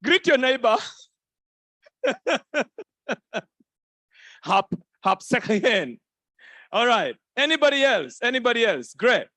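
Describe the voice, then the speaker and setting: Playful high-voiced male event host. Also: very animated, takes it slowly, long pauses, bright, forceful tone, no room sound. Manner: playful, repeats phrases to the crowd, laughs often. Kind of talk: lively crowd interaction. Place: conference hall stage.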